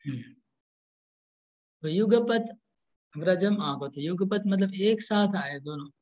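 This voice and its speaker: A man giving a scripture lecture, explaining slowly in short pieces with restarts, and chanting verses. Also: high voice, darkish tone, muffled recording. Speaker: spiritual lecturer.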